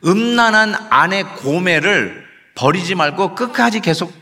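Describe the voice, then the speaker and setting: A male pastor with a fairly high, bright and forceful voice, preaching in an easy, conversational way and mixing in English phrases. His sermon rings out with a long reverb, as if recorded in a large church sanctuary. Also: expressive, measured pace. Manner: acts out sighs and scolding quotes.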